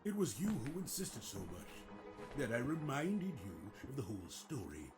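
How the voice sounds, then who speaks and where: An actor playing a cold, mocking middle-aged male villain in a video game cutscene, with a smug, drawn-out delivery. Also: medium pitch, wildly swooping pitch, music in the background.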